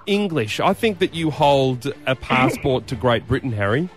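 Deadpan male radio host. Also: mid-range voice, normal speed, faint music behind. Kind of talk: playful radio banter.

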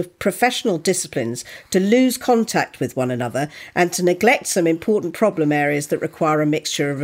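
A woman's voice: fairly low pitch, darkish tone. A woman hosting an interview podcast, introducing her guest and asking questions in an articulate, scripted way. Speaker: podcast host.

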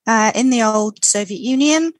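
A woman's voice: fairly high pitch, moderate pace, no room sound, clean studio sound. A middle-aged woman from Russia, a native Russian speaker with near-native English, answering a local radio interview in a thoughtful way with frequent ums.

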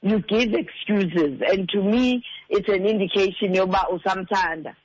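A man with a high-sitting voice and a South African Xhosa accent speaks at a moderate pace, offering earnest, direct advice as a relationship counsellor. He drives his points home through repetition and mixes two languages as he talks. The audio is dull, with no room sound.

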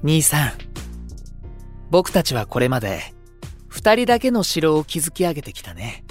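A man playing an unruffled, poetic young younger brother in a voice drama, elegant and gently persuasive. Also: a little high, wildly swooping pitch, measured pace, faint music behind. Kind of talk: Japanese voice drama acting.

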